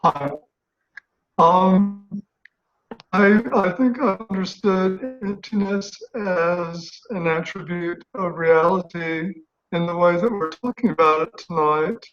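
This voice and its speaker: Man, slow, hesitant caller with a breaking-up video-call line, muffled and lo-fi. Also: sits high, a bit bright. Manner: hesitant, many pauses and restarts. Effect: glitchy call audio breaking up and wavering. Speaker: discussion group participant. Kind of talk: halting casual question on a video call. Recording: dull lo-fi breaking-up call audio.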